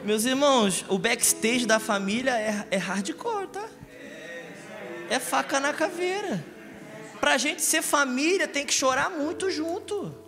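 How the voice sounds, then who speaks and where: Unhurried and expressive, a man from Rio de Janeiro, Brazil, delivers a Sunday sermon in a church hall. He jokes often and quizzes the congregation, his voice sitting high for a man. Music plays underneath, and a long church reverb trails his words.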